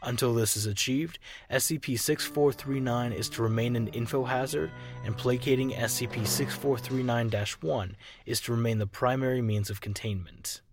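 A man reading scripted narration in a measured, formal manner and hosting the show's credits. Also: medium pitch, steady tone. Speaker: narrator and podcast host. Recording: music under the narration.

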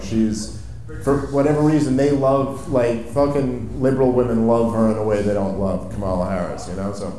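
A man's voice: medium pitch, a little mellow. A man hosting a live political comedy show, talking casually and emphatically with frequent profanity over a venue PA. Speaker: podcast host. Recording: echoey live venue PA, faint noise.

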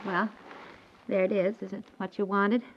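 A woman's voice: mid-range voice, flat delivery, normal speed, slight background noise, lightly acted. An American woman playing a sweet but nagging wife in a naturalistic 1950s radio comedy, coaxing and hesitant, full of endearments. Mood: apologetic, tender. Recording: dull vintage 1950s radio recording.

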